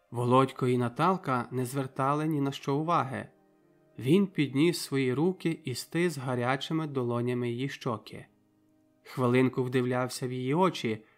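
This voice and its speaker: A man reading a novel aloud as an audiobook narrator, in calm, measured storytelling. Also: mid-range voice. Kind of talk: scripted literary narration.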